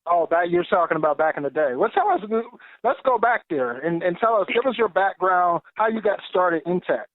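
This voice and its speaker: A man hosting a podcast, steering the chat with upbeat, quick affirmations. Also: high-pitched, expressive. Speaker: host. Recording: tinny phone-line audio, dry.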